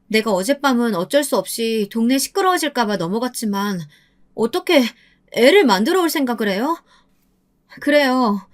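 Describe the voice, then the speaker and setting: A woman voicing a betrayed middle-aged wife reproaching her unfaithful husband, in a storybook reading. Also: high-pitched. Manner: reproachful, pleading.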